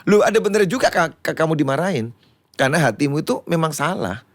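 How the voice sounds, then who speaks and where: Casting: male pastor, quick and animated, dry close sound. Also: on the high side, no echo. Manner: animated, acts out quoted voices, repeats words when excited. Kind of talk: conversational teaching on a church talk show.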